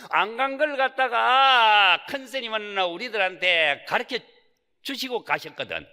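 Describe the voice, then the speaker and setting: A man's voice: high voice, lively intonation, measured pace, pushed and bright, smooth. A man, a Buddhist monk, giving a Sunday Dharma talk with rhetorical questions and folksy asides. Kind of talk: sermon. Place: temple hall. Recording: reverberant temple hall.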